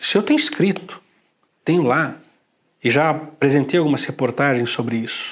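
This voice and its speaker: His pitch swings very widely as a man speaks at a moderate pace. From Brazil, Curitiba (Paraná). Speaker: investigative journalist. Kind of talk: interview testimony.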